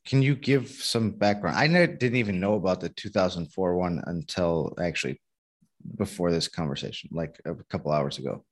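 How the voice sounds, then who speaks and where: Guy with a really low voice hosting, rambly casual questions. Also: moderate pace. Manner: rambling, self-correcting questions. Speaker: podcast host.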